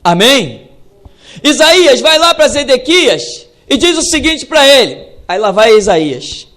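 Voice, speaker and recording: A Brazilian pastor with a Brazilian Portuguese accent, preaching a fiery sermon in an emphatic, repetitive storytelling way. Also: male voice, very high voice, sing-song, measured pace, fairly bright tone.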